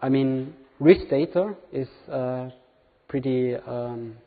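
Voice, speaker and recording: A man's voice: medium pitch, takes it slowly. Man presenting, non-native speaker, hesitant with fillers, long hall reverb, tinny phone-like sound. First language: not English. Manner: hesitant, many fillers and restarts. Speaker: conference presenter. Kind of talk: live product demo talk. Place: large conference hall. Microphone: room recording from far camera.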